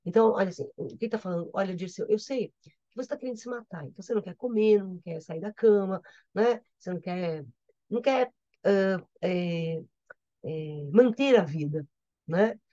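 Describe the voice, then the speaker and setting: A woman's voice: mid-range voice, normal speed, mellow, no echo, lo-fi sound. A woman teacher with a Brazilian accent reading a poem aloud and explaining it, often checking in with her listeners. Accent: Brazilian Portuguese. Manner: repetitive, checks understanding with "tá?". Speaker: literature teacher.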